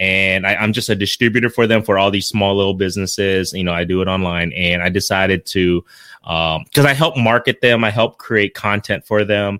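A man with a Midwestern US accent, fairly quick pace and hardly any pauses. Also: ordinary pitch variation, very clean recording, silent background. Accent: US Midwest. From Iowa, US Midwest. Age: 40s. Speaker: fishing podcaster and lure seller. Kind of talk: casual interview.

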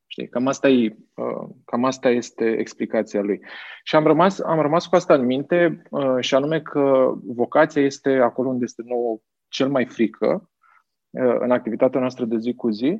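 Speaking at a moderate speed, a plain, everyday voice shows ordinary pitch variation. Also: man, medium pitch for a man. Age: 30s. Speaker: writer and marketer. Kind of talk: casual chat.

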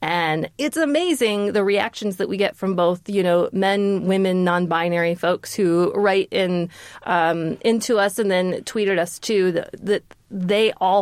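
On a very clean recording with a silent background, a woman with a plain, everyday voice and an American accent talks at a fairly slow pace in a medium pitch. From US Midwest. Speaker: film critic and podcast host. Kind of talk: casual interview chat.

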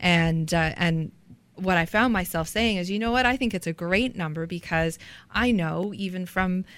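The speaker has a plain, everyday voice, with ordinary pitch variation at a moderate pace. The recording is very clean, with a silent background. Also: woman. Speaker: leadership coach. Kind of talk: casual radio interview.

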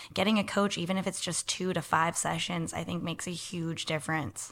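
A woman speaks in a bright, sharp tone with vocal fry. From Sacramento, Northern California. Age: 30s. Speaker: personal trainer and boxing coach. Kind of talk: casual chat.

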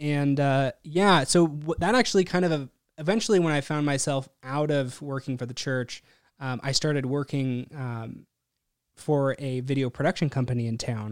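Using a plain, everyday voice, a man speaks at a moderate pace and fairly high pitch with ordinary pitch variation. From US Pacific Northwest (Bend, Oregon). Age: 20s. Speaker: podcast host. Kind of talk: casual chat. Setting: video call.

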